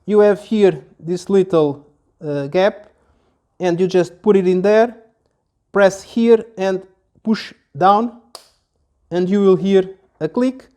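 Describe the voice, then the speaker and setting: A man, explaining a product in a casual, halting demonstration style. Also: sits high, a little mellow. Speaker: product reviewer. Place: small office, indoors.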